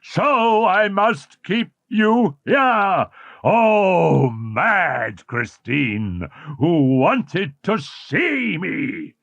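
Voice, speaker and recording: A man voicing a deformed, jealous masked man who hisses and roars in slow, tormented speech. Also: sits high, very animated, creaky, a bit bright, no echo, lo-fi sound, heavily acted. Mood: raging, anguished. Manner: slow, hissing, roaring.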